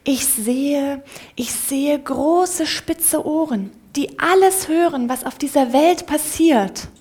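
A woman doing a squeaky little church mouse. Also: little pitch movement, measured pace, gravelly, mellow. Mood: awed praise. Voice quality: squeaky, stammering.

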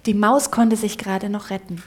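A woman telling a children's story in church, lively and often dropping to a hushed whisper. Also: mid-range voice, normal speed.

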